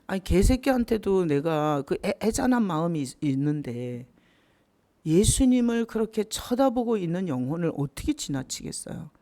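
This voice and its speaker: Pastor, male, gravelly and warm; teaches Bible study informally, drawing listeners in with questions. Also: high voice, big pitch swings, normal speed. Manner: conversational, with rhetorical questions and asides.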